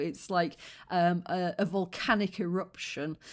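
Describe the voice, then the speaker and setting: A woman speaks with a British accent at a very slow pace. The recording is very clean, with a silent background. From Britain. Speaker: YouTuber and writer living abroad. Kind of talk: reaction video commentary. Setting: at home. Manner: hesitant, many fillers.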